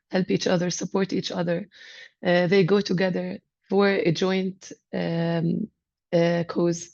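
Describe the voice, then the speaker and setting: A woman, speaking on a conference panel with a sick, hoarse voice, measured and full of hesitations. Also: on the low side, a little mellow, dry recording. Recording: dull, dry sound.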